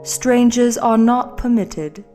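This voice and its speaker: A man's voice: slow, soft background music. A man putting on a cold masked doorkeeper woman. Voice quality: deep monotone.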